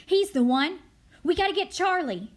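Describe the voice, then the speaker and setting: A woman's voice: very high-pitched, expressive, normal speed, voice pushed up. A woman playing suspicious neighbours in an angry mob, urgently throwing accusations in a read drama script. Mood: accusing.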